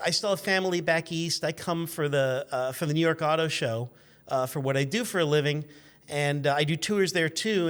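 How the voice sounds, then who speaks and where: A man in his fifties with a somewhat high voice talks as a relaxed interview guest. He tells personal anecdotes in a conversational way, slipping in dry, self-mocking jokes. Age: 50s. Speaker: interview guest, car journalist. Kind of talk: casual anecdotal chat.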